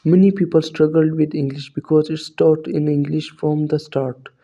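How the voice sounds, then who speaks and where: Male English teacher, South Asian accent, native Urdu or Hindi speaker. Very mellow tone, flat intonation, scripted and encouraging instructional read. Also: on the high side, normal speed, creaky. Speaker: English teacher introducing an online course. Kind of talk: scripted lesson narration.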